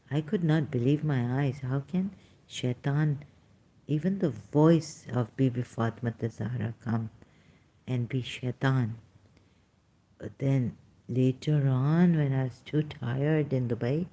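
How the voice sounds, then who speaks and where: A speaker with a Pakistani English accent giving an unscripted personal testimony, hesitant and halting, with frequent fillers and restarts. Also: medium pitch, gravelly, mellow. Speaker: vlogger sharing personal experience.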